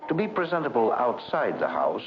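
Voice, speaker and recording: A man narrating a scripted 1960s educational documentary in a measured, formal delivery. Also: medium pitch, huge pitch swings. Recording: dull vintage 1960s film soundtrack. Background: background music.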